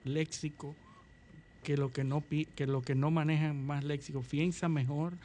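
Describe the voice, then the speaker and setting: A man's voice: fairly high pitch, flat delivery, normal speed, dark tone, a little hiss or hum. A man co-hosting a studio discussion who adds short interjections and follow-up remarks. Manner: brief interjections and a follow-up question. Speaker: co-host.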